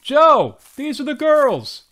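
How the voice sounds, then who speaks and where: A woman playing a gruff, take-charge county sheriff in an old-time style radio drama, folksy and commanding. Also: high-pitched, very animated, slow pace, a bit bright, exaggerated voice. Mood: questioning.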